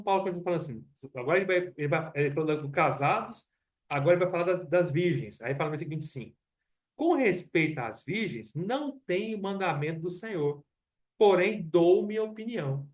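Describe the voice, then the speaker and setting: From a distant microphone in a church hall comes a high-sitting male voice with a Brazilian Portuguese accent. He's preaching a Bible study in a conversational way, full of rhetorical questions and repetition.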